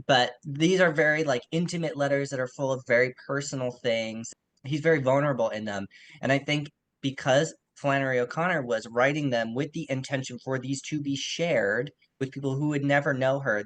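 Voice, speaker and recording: A man's voice: mid-range voice, fairly bright tone. A man co-hosting a podcast, casually discussing literature in a conversational, self-qualifying way, on poor audio. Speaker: podcast co-host.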